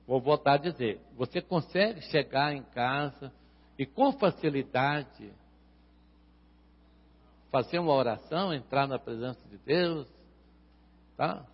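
A man with a Brazilian Portuguese accent preaching a sermon to his congregation, calling members by name and rising into loud, impassioned passages. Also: mid-range voice, animated, takes it slowly, long pauses, slightly rough. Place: church. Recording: reverberant church hall, dull lo-fi sound.

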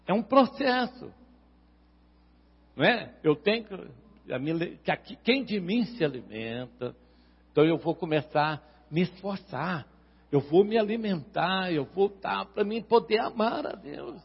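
A man with a Brazilian Portuguese accent preaching a sermon to his congregation, calling members by name and rising into loud, impassioned passages. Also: high-pitched, lively intonation, measured pace, vocal fry, husky. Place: church. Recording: reverberant church hall, dull lo-fi sound.

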